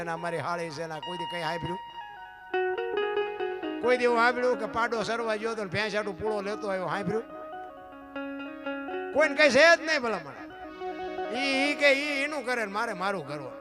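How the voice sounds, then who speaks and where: A man telling folk wisdom to an audience, folksy and rhetorical, often calling out to his listeners. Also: high-pitched. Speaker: folk storyteller. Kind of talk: folk storytelling talk to an audience.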